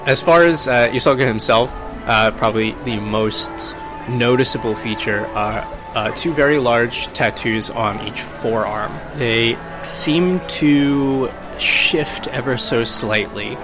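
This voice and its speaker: Male tabletop player, mid-range voice, measured and drily understated, music behind. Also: medium pitch. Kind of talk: describing his roleplaying character. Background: background music.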